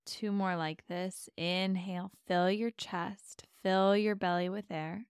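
A woman guiding a meditation softly and soothingly, giving gentle, slow, spacious instructions as a host. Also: mid-range voice, little pitch movement, clean tone, no room sound, studio quality. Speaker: meditation podcast host and guide. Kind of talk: soft, soothing guided meditation.

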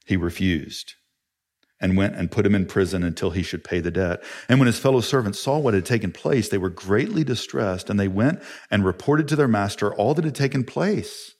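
A man's voice: fairly low pitch, normal speed, darkish tone. A man, a pastor, preaching an earnest and emphatic sermon with rhetorical questions.

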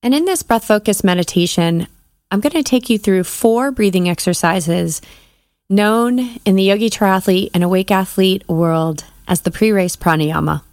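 A woman leading a guided breathing meditation as a podcast host and coach, giving measured, soothing instructions with pauses. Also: mid-range voice, a little mellow, no echo, clean studio sound.

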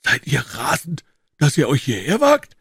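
A man voicing a frightened male Mormon rider in an audiobook, talking in a high, urgent, fearful voice. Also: lively intonation, a little fast, slightly rough, dry recording, studio quality. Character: frightened middle-aged male Mormon rider, anxious and hurried. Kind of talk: dramatic audiobook reading.

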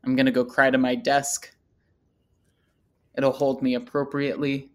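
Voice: mid-range voice, little pitch movement, moderate pace. A podcast co-host chatting casually, rambling through a story and joking at their own expense. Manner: rambling, self-deprecating humor. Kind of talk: casual chat.

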